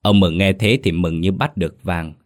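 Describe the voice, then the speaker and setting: A man narrating a scripted ghost story in a steady, even manner. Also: low voice, normal speed.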